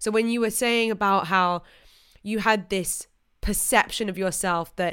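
A woman with a plain, everyday voice speaks at a medium pitch with ordinary pitch variation, recorded very cleanly against a silent background. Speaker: podcast host. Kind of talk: casual interview chat.

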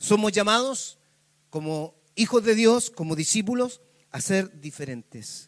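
A man talks at a fairly slow pace. His high voice has lively intonation. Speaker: preacher. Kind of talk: sermon. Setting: church. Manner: formal, earnest preaching; measured, reflective teaching pace with hesitations.

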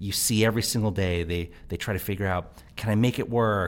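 In a plain, everyday voice, a man talks at a fairly quick pace, fairly low in pitch with ordinary pitch variation. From New York (Flushing, Queens). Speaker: startup CEO. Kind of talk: interview.

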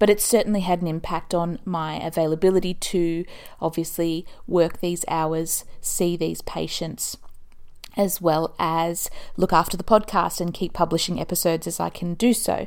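With an Australian accent, a woman speaks in a fairly low pitch at a moderate pace with fairly even intonation on a very clean recording with a silent background. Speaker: stoma nurse and podcast host. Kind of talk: solo informational podcast. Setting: at home on couch.

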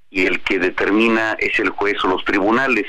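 A man is talking. His speed is moderate. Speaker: legislator. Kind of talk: radio interview.

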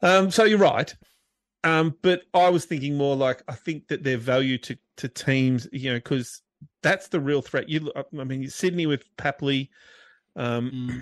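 Against a quiet background with a dry, close sound and no echo, a man with an Australian accent talks at a fairly slow pace and fairly high pitch with ordinary pitch variation. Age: 30s. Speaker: podcast co-host. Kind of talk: casual chat.

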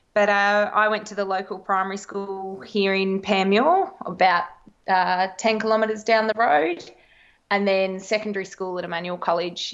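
The speaker has an Australian accent and a moderate pace. The intonation stays flat and monotone throughout. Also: woman, medium pitch for a woman. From rural Victoria, Australia. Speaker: elite distance runner and school teacher. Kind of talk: interview. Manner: articulate.

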